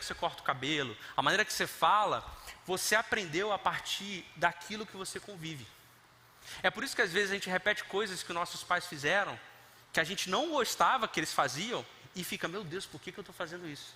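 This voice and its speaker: At a very fast pace, a man speaks high-pitched and animated with lively intonation. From Brazil, Rio de Janeiro. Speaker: pastor. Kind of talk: sermon. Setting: church service with audience.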